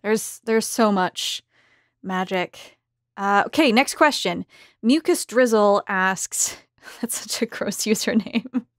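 A woman's voice: medium pitch, takes it slowly. A woman hosting a casual roundtable discussion in an informal conversational style. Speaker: host.

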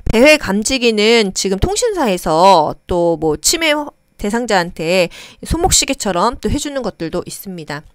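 A woman's voice: mid-range voice, normal speed, few pauses, clear, resonant tone, no echo, studio quality. A woman lecturer teaching exam questions for care worker training, acting out the quoted lines of patients as she goes. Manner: lively, acts out patient quotes.

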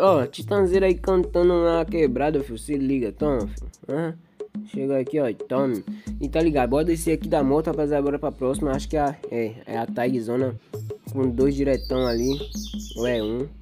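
A young Brazilian man with a Brazilian Portuguese accent casually narrating his gameplay, rambling in street slang and hyping up his viewers. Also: mid-range voice. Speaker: gaming YouTuber. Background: game music.

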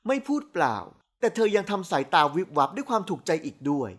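A woman narrating a romance audiobook with expressive storytelling. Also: lowish voice, fast talker, breathy edge.

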